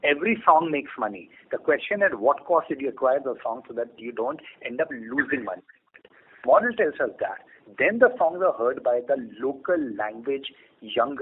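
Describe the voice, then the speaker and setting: A man's voice: mid-range voice, a little hiss or hum. An Indian man, a company executive, explains business decisions to analysts with an Indian accent and emphatic rhetorical questions. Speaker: company executive on an earnings call. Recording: phone-like conference call audio.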